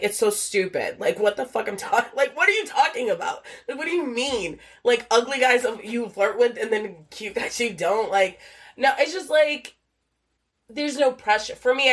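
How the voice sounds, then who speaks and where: A young adult woman hosting a casual solo podcast, rambling with lots of fillers and swearing, a little nasal and sniffly from a cold. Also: medium pitch. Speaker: podcast host.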